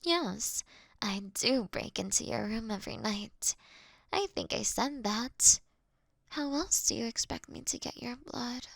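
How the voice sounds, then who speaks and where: A woman's voice: a little high, animated, vocal fry, no echo, full character voice. A woman playing a courteous, doting vampire in a scripted roleplay, speaking intimately and breathily, often slipping into a whisper. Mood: earnest, coaxing. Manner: slow, intimate, gently theatrical. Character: female vampire, courteous, doting, wryly confessing to her sleeping prey. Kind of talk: scripted roleplay audio for one listener.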